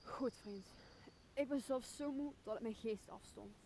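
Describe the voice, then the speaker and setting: A woman's voice: a little high, unhurried, mellow, slight background noise. A young woman playing a weary, despairing noble leader in an audio drama. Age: young adult. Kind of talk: Dutch audio drama of Shakespeare.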